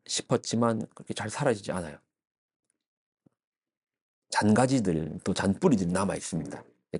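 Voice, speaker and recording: A man's voice: lowish voice, warm tone. A male pastor giving an early-morning sermon, explaining the passage with frequent fillers and restarts. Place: church.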